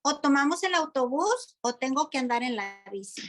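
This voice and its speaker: A woman's voice: sits high, expressive, brisk, fairly bright tone. A woman voicing a modest, friendly, earnest young boy from a storybook. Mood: matter-of-fact.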